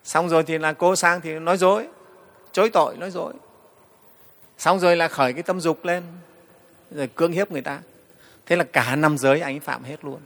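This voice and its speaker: A man, a Buddhist monk giving a storytelling dharma talk to the assembly, often pausing on "đấy". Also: fairly high pitch, fairly even intonation, a bit bright, long reverb tail. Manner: storytelling, frequent "đấy" fillers, addresses the assembly.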